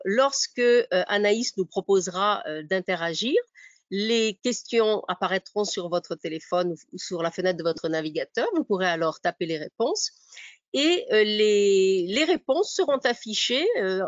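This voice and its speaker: A woman moderates an online webinar and walks the audience through instructions. She halts often and fills the pauses. The audio is dry and dull, with no room sound, as from a computer microphone. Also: medium pitch, expressive, no echo. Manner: halting, many fillers. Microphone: computer mic on a video call.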